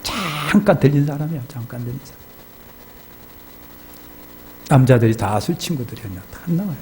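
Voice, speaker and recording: A man preaching a sermon in a church, telling anecdotes and acting out his congregants' distressed pleas in high crying voices. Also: animated, fairly quick, a little mellow, a little hiss or hum, poor audio. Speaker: pastor. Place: church sanctuary.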